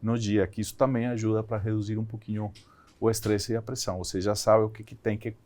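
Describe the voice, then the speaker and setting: A man's voice: fairly low pitch, flat delivery, fast, darkish tone. A man over his Spanish. He speaks as an executive guest in a conversational interview, repeating and rephrasing as he goes. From Colombia. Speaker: company CEO, interview guest.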